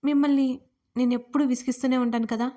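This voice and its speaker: A shy, innocent young wife with a soft, hesitant way of speaking, as a woman narrator puts her on. Her voice is high and a little raised, and sounds close and plain. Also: fairly even intonation, moderate pace, close to an everyday voice. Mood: tearful.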